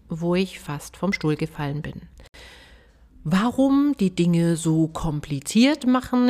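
A woman voice coach hosting a podcast lesson, chatty and emphatic, checking in with the listener as she explains. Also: lowish voice. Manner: chatty, addresses listener with tag questions; emphatic, lively. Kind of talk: casual spoken podcast lesson.

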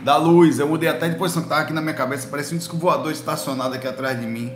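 A man with a Pernambuco accent from northeast Brazil, telling stories to camera in animated, slangy bursts. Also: on the high side, rapid-fire, reverberant, over music. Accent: Pernambuco Portuguese. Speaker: spiritual vlogger answering viewers. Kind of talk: casual talk to camera. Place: indoor room with a light behind him.

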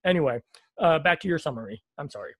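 A man's voice: a little high, expressive, fast, a bit bright, no room sound. A man hosting a casual podcast, rambling and joking with sarcastic asides. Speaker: podcast host.

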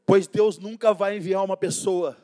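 A pastor preaching a sermon in a loud, animated, slangy way, dropping to low murmurs and laughing at his own stories. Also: normal speed.

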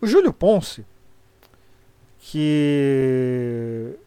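A man's voice: medium pitch, very animated, extremely slow, mellow, smooth, dry recording. A middle-aged Brazilian man with a congested, sniffly voice from a cold, chatting casually and opinionatedly on a live stream in informal, sweary Brazilian Portuguese speech.

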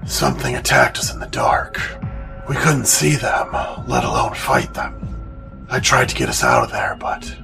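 Gravelly male paladin man acting, guarded, deliberate, battle-hardened, fantasy audio drama, prominent music bed. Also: extremely low pitch, wildly swooping pitch, full character voice. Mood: grim, guarded. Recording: loud music bed behind the voice.

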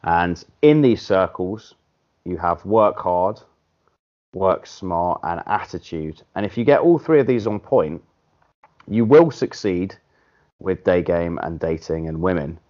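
A man hosting a podcast in casual chat, blunt and animated, swearing casually as he makes his points. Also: deep voice, unhurried. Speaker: podcast host. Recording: dull lo-fi podcast audio.

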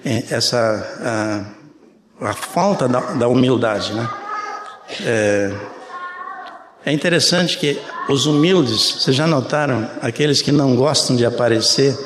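Speaking at a measured pace in a mid-range voice, an older man from Brazil delivers a conversational sermon in a Brazilian Portuguese accent, frequently checking in with those listening. The reverberant hall carries faint room ambience, and the background is noisy.

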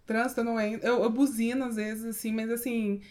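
A young woman from Brazil telling stories in quick casual chat, full of slangy fillers. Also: fairly high pitch, flat delivery, a little mellow. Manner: rapid storytelling with fillers like tipo and véi.

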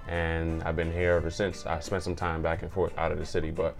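A man from Jamaica, a community organizer, chatting as an interview guest in an upbeat way, full of shout-outs and laughs. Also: deep voice, monotone, a little fast, faint music behind. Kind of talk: casual interview chat.

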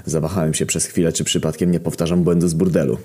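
A young man with a very low, dark voice tells a raunchy comic tale. His delivery is brash and sardonic, and he swears freely as he goes. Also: little pitch movement, fast talker, slightly rough. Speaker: storyteller. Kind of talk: crude comedic story narration.

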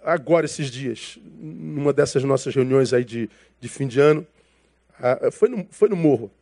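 A man delivers a sermon as a pastor, in a notably high voice. He keeps it casual and slangy and addresses the congregation as brother. He acts out conversations from his anecdotes. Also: fairly bright tone. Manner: casual, slangy preaching that calls listeners brother; acts out dialogue from his stories.

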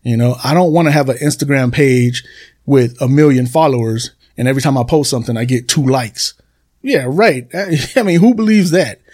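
A man's voice: mid-range voice, normal speed, darkish tone. A man hosting a solo podcast, talking casually to his listeners and repeating phrases for emphasis. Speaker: podcast host. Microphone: computer desk recording.

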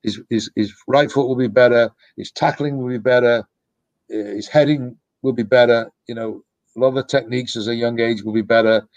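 A man's voice: medium pitch, steady tone, a little fast, a little mellow, no room sound, highs cut off. Middle-aged man, dry close sound. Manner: reflective, rambling with restarts. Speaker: youth soccer coach, guest. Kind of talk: casual podcast conversation. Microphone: podcast microphone.

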